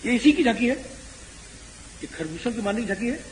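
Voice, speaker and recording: A man giving a devotional scripture discourse. He talks in an animated way and chants verses slowly. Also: very high voice. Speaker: religious storyteller. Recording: echoey hall with faint noise.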